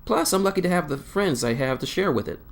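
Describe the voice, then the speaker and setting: A man's voice: high-pitched, expressive, quick pace, pitched above the performer's own voice. A man voicing a young male hedgehog hero in a fan story read aloud, breezy and modest but panicky when scared.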